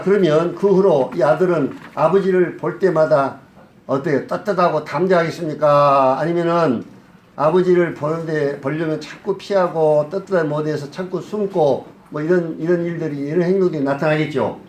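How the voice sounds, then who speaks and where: Recorded in an echoey hall with a little background noise, a man preaches a sermon at a moderate pace. He puts questions to the congregation and answers them himself, slipping into a softer, low voice to act out scenes.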